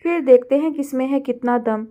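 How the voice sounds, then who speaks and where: A woman's voice: high voice, a little fast, dark tone, lightly acted. A woman doing a hot-headed teenage boy. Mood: indignant. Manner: complaining, challenging.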